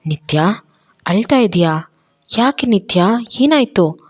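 A woman's voice: lowish voice, measured pace, natural voice. A woman voicing a hot-tempered but caring young man in an audio story. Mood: worried. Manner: sharp when angry, softening into concern.

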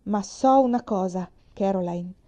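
A woman's voice: mid-range voice, a little slow, mellow, close to an everyday voice. A woman reading the lines of a determined pioneer father in a storybook, speaking with firm reassurance. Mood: resolute.

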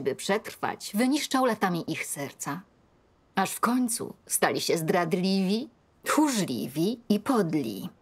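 A middle-aged woman in a dubbed film, reading a religious text aloud at a home table in a slow, earnest way. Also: on the low side. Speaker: older woman leading a scripture reading.

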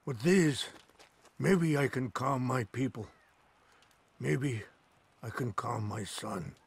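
An actor playing a weary, gentle tribal chief who speaks slowly and gravely in a video game. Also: male voice, mid-range voice, exaggerated voice. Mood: solemn. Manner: slow, solemn and measured. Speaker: elder of his people.

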